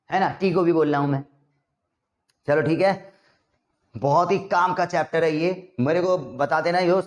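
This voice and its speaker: A man teaching English pronunciation in a chatty, teasing classroom manner, slipping English words into his talk. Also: fairly high pitch. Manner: drawls slow mock English sentences. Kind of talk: classroom-style spoken lesson.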